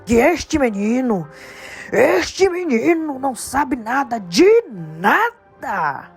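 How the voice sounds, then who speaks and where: A woman voicing a huge, gruff half-giant man who bellows in slow, emphatic outbursts. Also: high voice, very animated, faint music behind, voice pushed up, full character voice. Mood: indignant.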